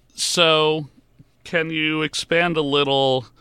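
A man speaks with a bright, sharp tone on a very clean recording with a silent background. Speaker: radio host. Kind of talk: radio interview show. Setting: radio studio.

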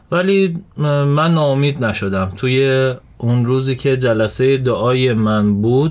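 A man with a medium pitch talks at a very slow pace, using ordinary pitch variation. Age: 30s. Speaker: civil engineer sharing his life story. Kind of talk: personal life story interview.

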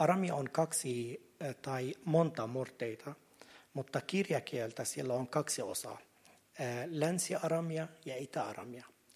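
A man's very slow, somewhat breathy speech with an Arabic accent, a fairly high pitch and ordinary pitch variation. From Syria. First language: Arabic (speaking Finnish). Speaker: Arabic language teacher. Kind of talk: panel conversation. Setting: chapel with audience. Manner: halting.

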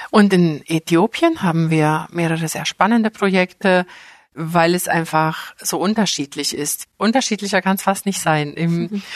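A woman with an ordinary speaking voice talks at a moderate pace in a fairly low pitch, with ordinary pitch variation and a dry, close sound that has no echo. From South America. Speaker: mission organisation worker. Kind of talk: interview.

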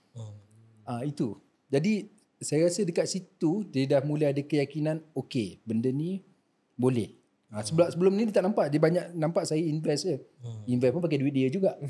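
Somewhat breathy and dark, mellow in tone, a man's fairly high voice moves at a moderate pace with lively intonation. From Malaysia, Hulu Selangor. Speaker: actor. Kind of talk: casual chat.

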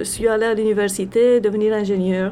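The speaker has a Romanian accent, with noticeable background noise behind the voice. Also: woman. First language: Romanian (speaking French). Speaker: professional coach. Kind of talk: interview. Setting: studio.

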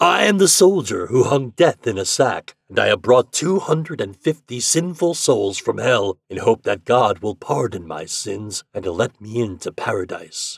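This put-on character voice has a slightly husky edge and vocal fry, with lively intonation, a fairly slow pace and few pauses. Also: man, fairly low pitch for a man.

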